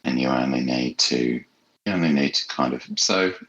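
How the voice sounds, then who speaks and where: A man being interviewed as an author, talking reflectively and choosing his words in a measured, articulate way. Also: extremely low pitch, a bit bright.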